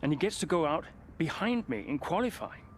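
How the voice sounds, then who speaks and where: A man's voice: fairly high pitch, sing-song, a little fast, slight background noise. An actor playing a frustrated veteran male racing driver, grumbling and weary, in a video game cutscene. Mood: aggrieved.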